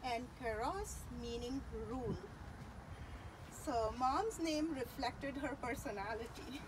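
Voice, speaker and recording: A woman delivering a personal eulogy in a tender, reverent, faltering manner, breaking her speech into short halting phrases. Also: sits high, background noise. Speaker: daughter giving a eulogy.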